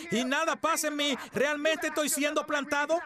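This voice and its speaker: Noticeable background noise under a man's raised, projected voice. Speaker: preacher. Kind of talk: sermon. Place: church.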